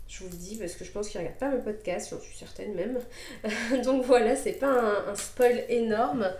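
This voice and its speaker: A woman's voice: on the high side, normal speed, a little mellow, slight background noise. A woman chatting hesitantly with many fillers and restarts in a casual knitting vlog, just over a cold. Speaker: knitting podcaster. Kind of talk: casual show-and-tell vlog. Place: at home, knitting on camera. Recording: echoey room.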